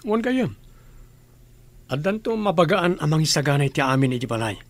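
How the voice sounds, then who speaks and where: Easygoing young groom. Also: male voice, fairly high pitch, sing-song, moderate pace. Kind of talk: radio drama acting.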